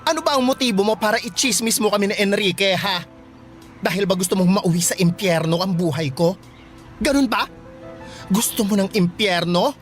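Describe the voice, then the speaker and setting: A woman playing a feisty, sarcastic gay high school boy in a radio drama, with a dramatic, taunting, campy delivery. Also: normal speed, soft background music, natural voice. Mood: sarcastic, furious.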